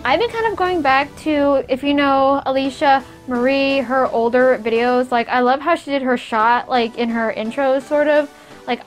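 Young female YouTuber, high voice, rambling and giggly, light stutter, faint music bed. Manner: rambling, many "like" and "kind of" fillers, giggly; stutters at times. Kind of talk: casual vlog advice.

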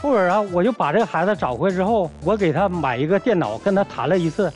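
A high-pitched man tells his complaints in a colloquial, animated way. His voice swings widely in pitch. Soft music runs underneath. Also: quick pace. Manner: colloquial northeastern speech, lively complaining. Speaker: guest husband.

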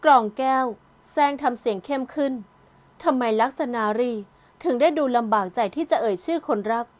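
A woman narrating an audio novel in a calm, gentle storytelling voice. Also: high voice, normal speed. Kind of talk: scripted narration.

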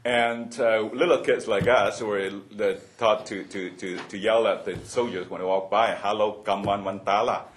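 A man's voice: lowish voice, fairly even intonation, a little hiss or hum. A man in his seventies from Hong Kong, sharing childhood memories at a roundtable, with many fillers and restarts and frequent chuckles. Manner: halting, many fillers and restarts, laughs often. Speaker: roundtable speaker. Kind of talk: personal reminiscence at a panel.

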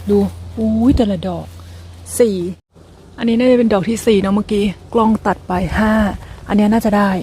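An excited young woman vlogs outdoors in a forest and keeps calling out to her viewers. She speaks at an average pitch, recorded on a handheld camera. A faint outdoor noise sits behind her voice. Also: moderate pace. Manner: excited exclamations, talks to viewers. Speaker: vlogger. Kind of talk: casual chat while foraging.

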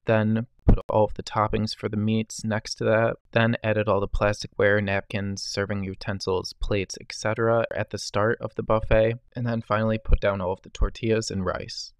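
A man's voice: on the low side, little pitch movement, normal speed, hardly any pauses, clean tone, no echo. A man narrating a voice-over review of a delivery gig, explaining things step by step in a matter-of-fact way. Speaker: delivery driver vlogger.

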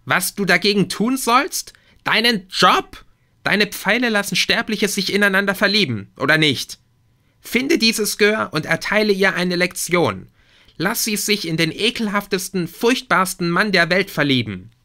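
A man's voice: sits high, animated, a little slow, bright, forceful tone, voice pushed up, exaggerated voice. A man voicing a vain, furious goddess mother who shrieks bossy orders at her son. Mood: shrill outrage.

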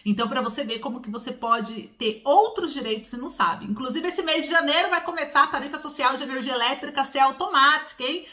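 Bright, emphatic São Paulo woman host. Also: high-pitched. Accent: Paulista Portuguese with rolled R. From São Paulo, Brazil. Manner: emphatic, drawn-out stresses on key words. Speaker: channel host. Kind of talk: direct-to-camera news vlog. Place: small indoor room at home.

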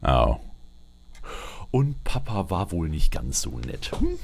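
A man's voice: very deep voice, huge pitch swings, slow, creaky, noisy background. A man giving casual in-character game commentary, muttering to himself in short fragments. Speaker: let's player. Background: video game ambience.

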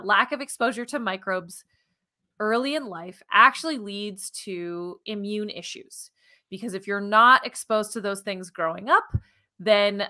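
A woman, co-hosting a science podcast in an animated, informal, emphatic conversational way. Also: mid-range voice. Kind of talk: conversational science news presentation. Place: small furnished room at home, indoors. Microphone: video call, wearing headphones.

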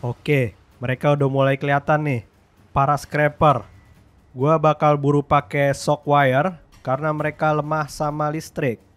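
Young Indonesian man, fairly high voice, casual game commentary, swears a lot. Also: normal speed, soft background music. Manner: excitable, slangy, swears in English often. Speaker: gaming YouTuber.

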